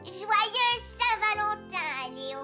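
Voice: very high-pitched, animated, takes it slowly, over music, exaggerated voice. A performer voicing an eager four-year-old boy in a children's cartoon, speaking simply and childishly. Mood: cheerful, eager.

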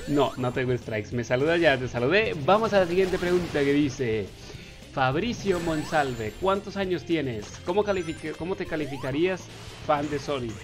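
A Mexican man in his twenties with a Mexican Spanish accent, casually answering viewer questions as a gaming YouTuber, playful, reading each question aloud in a raised voice. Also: fairly high pitch. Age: 20s. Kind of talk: casual Q&A voice-over over gameplay.

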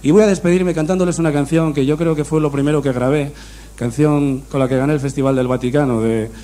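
Deadpan comedian, mellow voice. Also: male voice, fairly high pitch, fast talker, slight background noise. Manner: deadpan punning humor, mock-serious delivery. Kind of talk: comic monologue with mock interview.

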